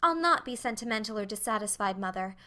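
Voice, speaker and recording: A woman's voice: mid-range voice, expressive, quick pace, sharp tone. A woman voicing a bashful, earnest teenage girl confessing to her mother in a storybook reading. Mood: pleading.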